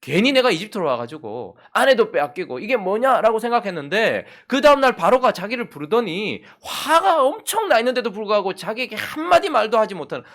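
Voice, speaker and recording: Male pastor at a dawn service with a very lively, swinging delivery. Rhetorical questions and acted-out quotes. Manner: dramatic, asks many rhetorical questions and acts out quoted speech; alternates loud emphatic bursts with hushed low passages. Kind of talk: early-morning sermon.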